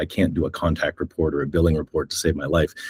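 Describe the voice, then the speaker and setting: Dry and close with no echo, a somewhat breathy man with a North American accent talks at a very fast pace in a very deep, low pitch. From Canada. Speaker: advertising agency executive. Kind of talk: interview talk. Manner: casual, with frequent fillers.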